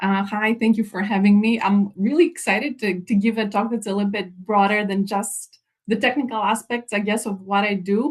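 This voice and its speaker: This woman's voice is somewhat breathy and fairly high in pitch. She talks at a fairly quick pace with fairly even intonation. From northern Greece. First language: Greek. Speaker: environmental engineer. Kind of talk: webinar presentation.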